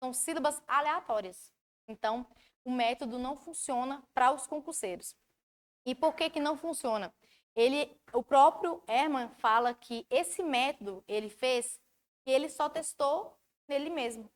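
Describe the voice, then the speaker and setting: A woman with a Brazilian Portuguese accent, a study mentor giving an online lecture who asks her audience questions and explains in an animated way. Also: high-pitched, normal speed.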